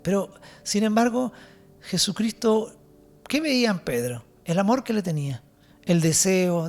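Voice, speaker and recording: A man with a Chilean accent preaching a sermon as pastor, fervent, his points sometimes trailing off to a hush. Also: high-pitched.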